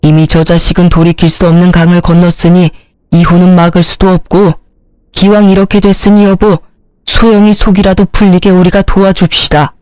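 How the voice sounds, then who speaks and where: A woman voicing a stern older father-in-law who speaks gravely and in a measured way. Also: on the low side, flat delivery, a little mellow, no echo, close to an everyday voice. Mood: apologetic.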